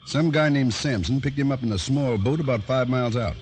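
An actor playing a blunt, sardonic police lieutenant in a 1940s-style radio drama, with music underneath. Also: male voice, mid-range voice, brisk, a little mellow, close to an everyday voice. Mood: dry. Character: gruff police lieutenant, male, dry.

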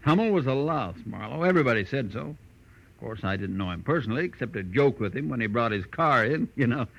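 An actor playing a jovial, shifty crook boss who runs a garage, chuckling and wheedling in a 1940s radio crime drama. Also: male voice, mid-range voice, lively intonation, fairly quick, creaky, husky. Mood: smug, joking. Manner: chuckling, smug, wheedling, slangy. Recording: muffled vintage radio recording.

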